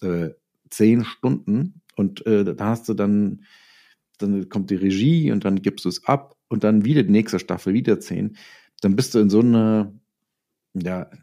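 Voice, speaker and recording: Male interview guest, middle-aged. Low pitch, dark relaxed tone, halting and thoughtful conversational delivery with frequent self-corrections. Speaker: interview guest, audio drama writer and author.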